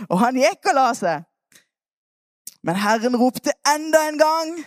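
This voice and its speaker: A woman preacher retelling a Bible story in a lively sermon, coaxing her listeners to act out the parts. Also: high voice, no room sound, clean studio sound.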